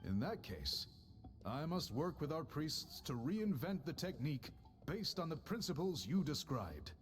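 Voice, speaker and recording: Dignified, expressive tribal chief. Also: male voice, on the high side, faint music behind. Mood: earnest, gracious. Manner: formal, deliberate, earnest. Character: dignified, thoughtful male tribal chief, courteous and measured. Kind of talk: video game voice acting.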